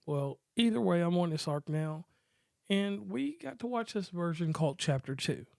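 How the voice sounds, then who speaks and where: A man's voice: high-pitched, animated, normal speed, vocal fry, darkish tone, no echo, studio quality. An American man hosting a movie review podcast in casual, slangy chat, rambling and joking as he goes. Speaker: podcast host.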